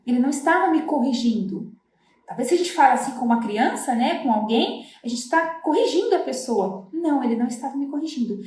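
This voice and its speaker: Middle-aged woman from Brazil, high and mellow voice, earnest and explanatory, recorded in a roomy space. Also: lively intonation, fairly quick, slight background noise. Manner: earnest, explanatory, with many "né?" tags. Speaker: floral therapist. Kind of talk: casual talk to parents.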